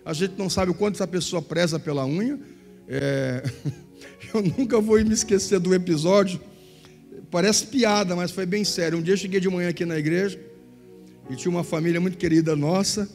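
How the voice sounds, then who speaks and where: A man's voice: high voice, fairly quick, vocal fry. A man with a Southern Brazilian accent preaching a sermon in a large church hall, telling stories animatedly and acting out the people in them. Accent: Southern Brazilian Portuguese. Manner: animated storytelling, voices others in quotes. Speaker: pastor. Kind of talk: sermon with acted-out anecdotes. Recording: echoey church hall with faint music.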